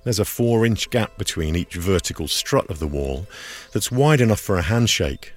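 A man reporting outdoors, narrating a documentary story in a calm, measured way. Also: low voice. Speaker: radio reporter. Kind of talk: scripted documentary narration with field interviews. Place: outdoors at a border wall, in the hot sun.

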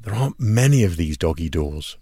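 A man reporting outdoors, narrating a documentary story in a calm, measured way. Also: low-pitched, creaky, husky, no echo. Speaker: radio reporter. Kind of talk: scripted documentary narration with field interviews. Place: outdoors at a border wall, in the hot sun.

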